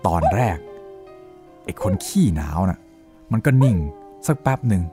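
A man voicing a rough-talking village man who tells of a ghostly encounter with blunt, coarse speech. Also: fairly low pitch, measured pace, soft background music. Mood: uneasy recounting. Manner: lively storytelling, rising and falling. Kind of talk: Thai audio-drama storytelling.

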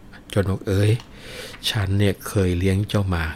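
A man's voice: low-pitched, little pitch movement, normal speed, darkish tone, slight background noise, natural voice. A man voicing Wanthong, a young wife of Thai legend, in lamenting, pleading speech.

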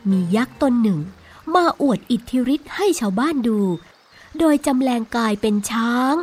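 A woman's voice: on the high side, expressive, normal speed, darkish tone, slightly rough, soft background music. A woman narrating a scripted story for young children as the storyteller.

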